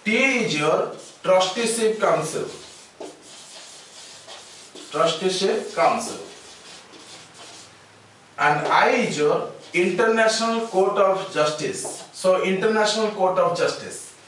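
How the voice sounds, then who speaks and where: A man with an Indian English accent lectures slowly and deliberately in a fairly high voice. He spells out letters and repeats key words. The sound is very echoey and comes from some distance off the mic. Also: expressive, fairly bright tone, slight background noise. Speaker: teacher. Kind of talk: classroom lecture. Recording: very echoey room, mic far off.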